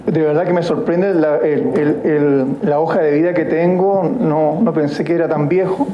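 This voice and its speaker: Middle-aged Chilean lecturer, high voice, stumbling restarts, addresses the room. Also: male voice, steady tone, muffled recording, slight background noise. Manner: halting, many restarts, addresses colleagues directly. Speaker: guest lecturer. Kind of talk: conference lecture.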